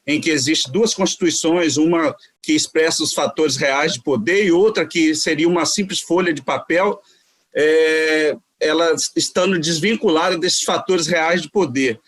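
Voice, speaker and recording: A man serving as a judge, giving his vote in a formal session, halting with many fillers. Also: fairly high pitch, a bit bright, dry recording. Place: court session.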